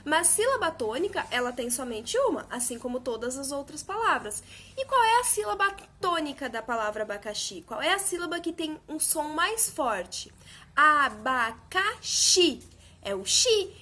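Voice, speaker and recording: A woman teaching a recorded video lesson to young children, patient and clear, stretching out words to stress their syllables. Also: high voice, a bit bright. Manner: slow, patient, exaggerated syllable emphasis. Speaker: primary school teacher.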